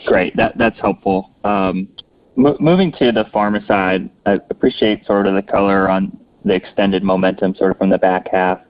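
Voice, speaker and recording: A man with a fairly low, very flat voice puts questions as an analyst on an earnings call. His phrasing is polite and roundabout, and the connection sounds slightly dull. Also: normal speed. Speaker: financial analyst asking questions.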